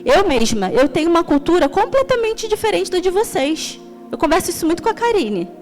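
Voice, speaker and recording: A young woman from Rio de Janeiro with a Carioca accent, preaching an extroverted, animated sermon as a church deaconess. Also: very high-pitched, a little fast, faint music behind. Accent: Carioca Portuguese. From Rio de Janeiro, Brazil. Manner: extroverted, animated storytelling with laughter.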